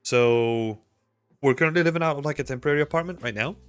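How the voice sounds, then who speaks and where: A man's voice: mid-range voice, fast talker, clean tone, faint music behind. A man from Belgium in his thirties, casually chatting with livestream viewers, rambling with lots of fillers. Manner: rambling, filler-heavy, answers chat questions. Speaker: livestream host. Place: small home room indoors. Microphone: desk mic with headphones.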